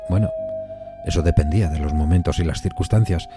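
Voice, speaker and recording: An actor playing a courteous, uneasy gentleman who recounts an eerie encounter in formal, deliberate suspense narration. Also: low-pitched, over loud music, close to an everyday voice. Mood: measured suspense. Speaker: narrator of an audio drama. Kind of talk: dramatized first-person suspense story narration.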